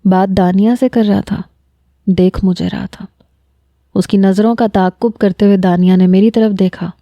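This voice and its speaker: A woman narrating a romantic story in the first person, unhurried and emotive, on a close mic. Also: mid-range voice, level tone, dark tone, dry recording, muffled recording.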